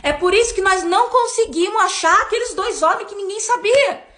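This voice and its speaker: A young Brazilian woman in her twenties shares a personal faith testimony in a high voice. She tells it in an animated way, repeating words for emphasis. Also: a little fast. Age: 20s. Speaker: church member giving testimony.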